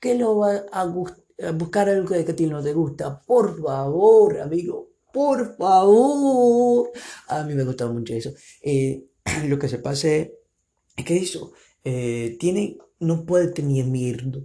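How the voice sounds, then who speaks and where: At a very slow pace, a man with a high voice and a dark, mellow tone speaks with very wide pitch swings. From Brazil, Pernambuco. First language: Portuguese (speaking Spanish). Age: 20s. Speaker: podcaster. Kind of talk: solo podcast monologue. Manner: halting.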